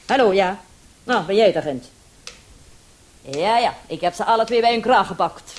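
An actress in a Dutch radio play voicing a brisk, commanding female police commissioner with a dry, authoritative manner. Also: mid-range voice, lively intonation, lightly acted. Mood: brisk, official.

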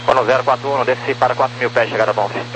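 Male air traffic controller, brisk and terse, clipped radio phraseology, clear hum and static. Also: mid-range voice, fairly even intonation, a bit bright. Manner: terse, procedural. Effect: aviation radio. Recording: noisy humming aviation radio.

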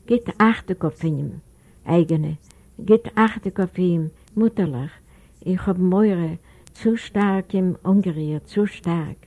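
A woman's voice: lowish voice, slow, mellow. A woman voicing an elderly widowed father in an audiobook, speaking with remorse and guilt. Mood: shaken. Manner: remorseful, pleading. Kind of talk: audiobook character voice.

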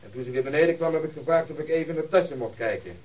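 A cool, pushy investigator played by a male actor in a radio play, heard at some distance from the microphone. He talks fast, casual and mocking, cheeky and sure of himself. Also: on the high side, darkish tone, natural voice. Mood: insinuating. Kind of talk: Dutch radio drama dialogue.

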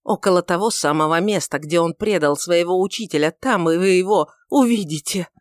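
Woman doing a desperate male apostle, wailing, frantic, pitched high, loud, audiobook. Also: a little slow, no echo, clean studio sound, natural voice. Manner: wailing, sobbing, frantic outcries. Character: anguished grown male apostle, remorseful and desperate. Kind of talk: audiobook reading of a dramatic novel.

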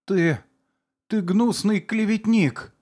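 A man's voice: high voice, takes it slowly, a little mellow, voice pushed up. A man voicing a frightened, indignant mother who shrieks at an attacker. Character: frightened mother, shrill woman.

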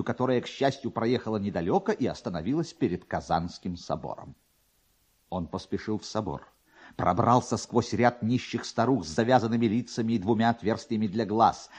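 Male narrator for classic prose: low, husky voice, theatrical delivery with sweeping intonation. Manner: theatrical, expressive. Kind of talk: dramatic literary narration.

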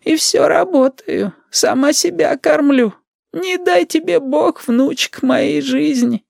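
A man reading a story and voicing a nosy, grumbling old grandmother in a high, drawling, sing-song voice. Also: slow, gravelly, no echo, studio quality, exaggerated voice. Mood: querulous.

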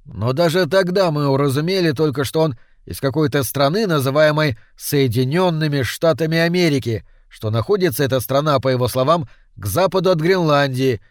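A man narrates a story with measured, steady delivery in a voice pitched a little high for a man. The sound is close and dry, with no room echo. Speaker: audiobook reader. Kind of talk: scripted narration.

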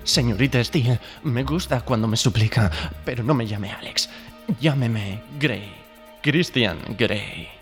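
A man's voice: medium pitch, lightly acted. A man putting on a brooding, pompous Christian Grey. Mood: seductive, pompous. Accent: Spain. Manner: formal, pompous, dramatic pauses. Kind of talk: parody of film dubbing. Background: music.

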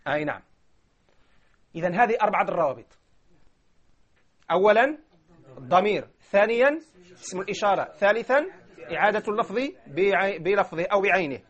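A man's voice: high-pitched, expressive, a little fast, long pauses, a bit bright, muffled recording. A man giving a classroom grammar lecture, explaining step by step and often checking whether his listeners follow. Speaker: grammar teacher.

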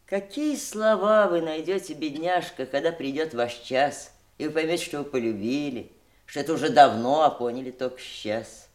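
An actress playing a worldly, twice-widowed middle-aged woman in a theatrical Russian audio drama, speaking with emphatic, deliberate eloquence. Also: sits low, natural voice. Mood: impassioned reproach.

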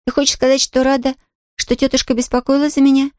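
An eager, earnest little orphan girl, as a woman narrator puts her on, with a voice lifted well above the reader's own low tone. Her words come out bright and emphatic in a dry, close audiobook recording. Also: level tone, quick pace, no room sound, lightly acted. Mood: earnest, puzzled. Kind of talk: audiobook character reading.

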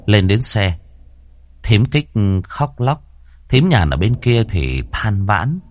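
Expressive male ghost-story narrator. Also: on the low side, slow. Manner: expressive, dramatic reading.

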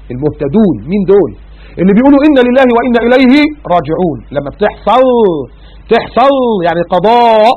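Egyptian guy preaching quick and lively, high voice, sounds like a phone line. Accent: Egyptian Arabic. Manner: animated, acts out everyday voices and rhetorical questions. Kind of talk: colloquial religious lesson. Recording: phone-like narrow audio.

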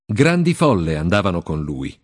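A man narrates scripture in a measured, solemn reading voice. His intonation is lively, rising and falling widely within each phrase, and a long hall reverb lingers behind his words. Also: sits low, slightly rough. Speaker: audiobook narrator.

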